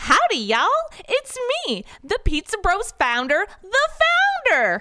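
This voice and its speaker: Fairly slow and put-on, this character voice sits at an extremely high pitch and makes very wide pitch swings. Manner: excited.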